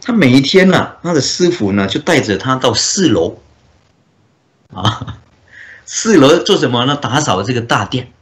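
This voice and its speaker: A man, a Buddhist monk, giving a dharma talk as a story, with drawn-out filler particles and frequent chuckles. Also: medium pitch, big pitch swings.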